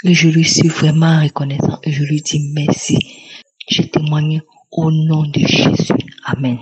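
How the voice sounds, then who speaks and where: A woman's voice: deep voice, little pitch movement, a little slow, a little mellow, rough recording. A young woman, giving an earnest, repetitive, grateful testimony. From Cameroon. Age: young adult. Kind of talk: spoken testimony.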